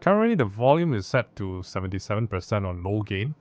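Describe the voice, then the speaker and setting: A man's voice: lowish voice, sing-song, fairly quick, a little mellow, dull audio, soft background music. A man with a Southeast Asian accent giving a casual product review in a blunt, informal, mildly sweary way. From Southeast Asia. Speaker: audio gear reviewer.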